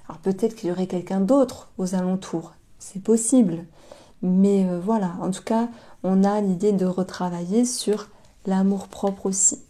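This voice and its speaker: This tarot card reader speaks in a dark-toned, mid-range voice while doing an informal reading to camera. Her delivery is chatty and tentative, as if she's working things out aloud for her audience.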